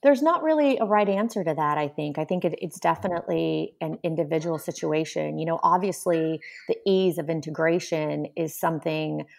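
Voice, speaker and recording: A woman with a low voice that has a grainy, gravelly texture. Born in Poland, she talks in an easy interview style and tells lively stories, slipping into the voices of the people she quotes. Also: moderate pace, hardly any pauses. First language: Polish. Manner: animated storyteller, acts out quotes. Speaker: guest. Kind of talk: casual interview conversation.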